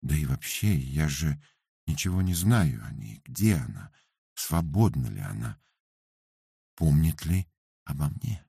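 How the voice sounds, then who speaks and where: A man's voice: a bass voice, sing-song, a little slow, vocal fry, pauses often, warm tone, slightly rough, no room sound, clean studio sound, heavily acted. A man doing a brooding young man's thoughts.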